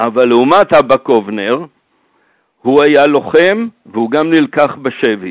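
A man's fairly high voice, very slow in pace, with lively intonation and a dry, close sound without echo. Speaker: retired army colonel and civil engineering executive. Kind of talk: radio interview. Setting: phone call.

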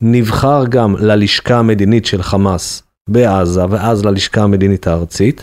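A man with an ordinary speaking voice, fairly low in pitch, with fairly even intonation, very even loudness, a fairly slow pace and hardly any pauses. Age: 50s. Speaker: journalist, Palestinian affairs analyst. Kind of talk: interview.

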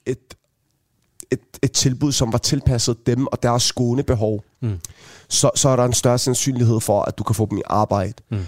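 Dry and close with no echo, a man's normal speaking voice holds a medium pitch with ordinary pitch variation. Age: 30s. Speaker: former gang member turned entrepreneur and author. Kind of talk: interview. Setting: live event at a book fair.

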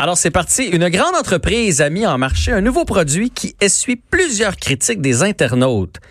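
This man, with a Quebec accent, talks at a moderate pace with hardly any pauses and very even loudness. His pitch is high, and it swings very widely. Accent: Québécois French. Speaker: radio quiz show host. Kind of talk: casual chat, quiz show hosting.

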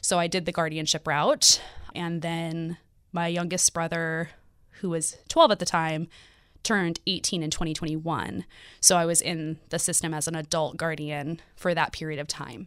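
A woman's normal speaking voice, fairly low in pitch, at a fairly slow pace. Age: 30s. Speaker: author and advocate for foster youth. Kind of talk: interview.

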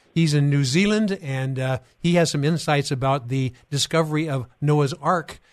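Talking at a moderate pace, a man speaks with a fairly high pitch. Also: quiet background. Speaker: radio host. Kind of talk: radio dj patter. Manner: warm, upbeat, animated.

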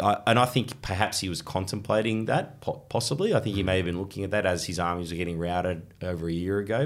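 With an Australian accent, a man speaks at a fairly quick pace. His pitch sits fairly low. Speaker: podcast host and author. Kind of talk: interview.

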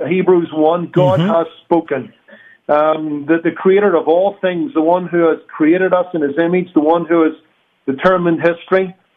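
At a moderate pace and very even loudness, a man speaks high in pitch with a Northern Irish accent. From Northern Ireland. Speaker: pastor and radio Bible teacher. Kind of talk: radio interview. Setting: phone call. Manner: earnest, preacherly.

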